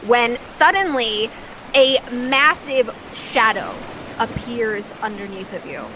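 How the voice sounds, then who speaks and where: High-voiced woman running a tabletop game. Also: takes it slowly, sharp tone, a little hiss or hum, low-quality recording. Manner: casual, descriptive storytelling. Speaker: game master. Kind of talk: narrating a tabletop roleplaying game. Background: music.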